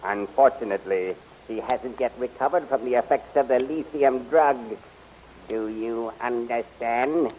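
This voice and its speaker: A smug, taunting palace villain played by a man in a 1930s radio drama. He speaks suavely at a medium pitch, with deliberate hesitations. The old recording is muffled, with light noise. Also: a little mellow, natural voice. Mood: smug, mocking. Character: smug, mocking male villain of a palace court. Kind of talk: 1930s radio serial acting.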